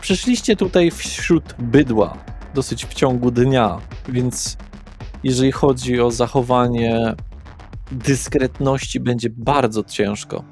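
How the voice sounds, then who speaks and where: A man as game master, narrating a horror roleplay in measured, short descriptive phrases. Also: medium pitch, gravelly, darkish tone.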